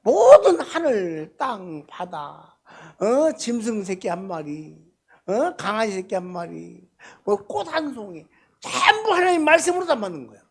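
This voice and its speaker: An older man preaches at a church prayer meeting. His voice is somewhat husky, and his pitch moves around a lot. He speaks in a colloquial way, pressing hard on some phrases and dropping others almost to a murmur. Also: very animated, moderate pace. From Korea. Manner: colloquial, swings between loud emphasis and soft asides. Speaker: pastor. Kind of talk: sermon.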